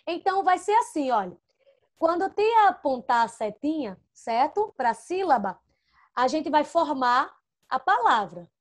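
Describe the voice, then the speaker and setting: High-voiced woman teaching children. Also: big pitch swings. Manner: patient and coaxing, checking in with "certo?"; fond of diminutives, spells out syllables slowly. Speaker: first-grade teacher. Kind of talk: online class for young children. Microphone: computer microphone, with headphones.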